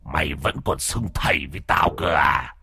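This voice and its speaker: A cruel male ghost dog from a spoken horror tale, voiced by a man, taunting in a low, hushed register. The threats come slow and sneering. The dry close sound keeps it intimate. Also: slightly rough, no room sound, full character voice. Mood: menacing.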